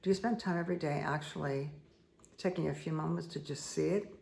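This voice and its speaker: Hoarse middle-aged woman, heavy vocal fry, slow repetitive spiritual card-reading delivery. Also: sits low, fairly even intonation, a little mellow. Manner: slow, soothing, repetitive guidance with asides. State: hoarse, croaky voice. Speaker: spiritual reader and meditation guide. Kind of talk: casual spoken card reading.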